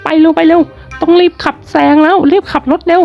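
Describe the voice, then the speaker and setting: A woman's voice: very high-pitched, little pitch movement, fast. A woman voicing a lazy, sassy schoolgirl who whines and talks back, in a game role-play story with background music. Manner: whiny and talking back. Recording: slightly dull with background music.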